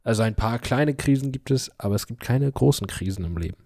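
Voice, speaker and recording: A man's voice: mid-range voice, expressive, a little fast, vocal fry, mellow, no echo. Teasing man in his twenties, dry sound. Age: 20s. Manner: chatty, teasing, laughs easily. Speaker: podcast co-host. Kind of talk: casual podcast chat.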